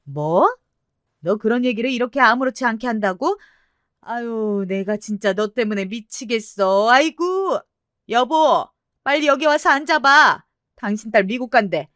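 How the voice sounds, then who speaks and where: A woman's voice: a little high, lively intonation, measured pace, a bit bright, dry recording, pitched above the performer's own voice. An exasperated middle-aged mother, put on by a woman who scolds, sighs and exclaims at her daughter. The voice rises in dismay and stays dry and close. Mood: frantic.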